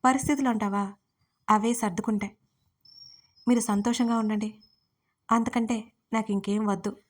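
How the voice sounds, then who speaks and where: Kindly older uncle for a storybook, read by a woman narrator, gentle and loving. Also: on the high side, fairly even intonation, normal speed, lightly acted. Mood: affectionate.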